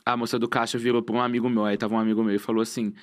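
Fast-talking young Brazilian man. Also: medium pitch. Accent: Brazilian Portuguese. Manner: fast animated storyteller, acts out quotes. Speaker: guest. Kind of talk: casual chat.

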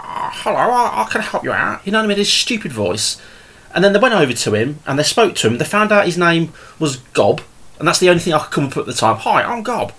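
A man's voice: mid-range voice, a bit bright, husky. A man in his thirties hosting a casual solo podcast, rambling along with plenty of fillers and restarts. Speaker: podcast host and game master.

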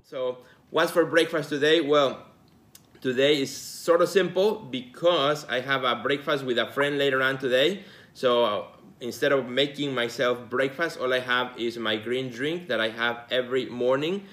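A man in his forties from Mexico, hosting his own show as a casual solo talk, relaxed and rambling, with many fillers and restarts. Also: mid-range voice, normal speed. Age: 40s. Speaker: podcast host.

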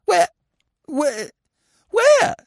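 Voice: medium pitch, huge pitch swings, normal speed, dry recording, studio quality. A performer voicing an imperious, easily outraged elderly English aunt, snapping and exclaiming theatrically in an audiobook story. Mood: flustered disbelief.

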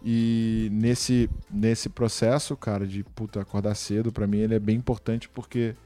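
Guy chatting loose and slangy, lowish voice, laughs a lot. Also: moderate pace, faint music behind. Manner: relaxed, slangy, laughs often. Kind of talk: casual chat.

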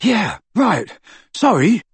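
A man's voice: high voice, big pitch swings, slow, husky, no echo, voice pushed up, heavily acted. Storybook part: loyal teenage friend, read by a man, lifted voice, plain-spoken and sincere. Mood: sheepish. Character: teenage boy, loyal friend, earnest and blunt.

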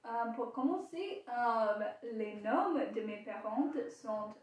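A woman's voice: fairly high pitch, animated, takes it slowly. A teenage girl chatting carefully and hesitantly in a second language she is learning. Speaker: student podcaster. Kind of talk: casual chat in learner French. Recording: echoey room, distant from mic.

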